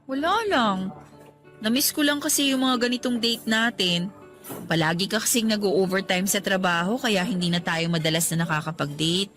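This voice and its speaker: A woman's voice: mid-range voice, normal speed, a bit bright, faint music behind, close to an everyday voice. A woman with a Filipino accent acting as a loving, teasing and direct young girlfriend in a radio romance drama. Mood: wistful, understanding.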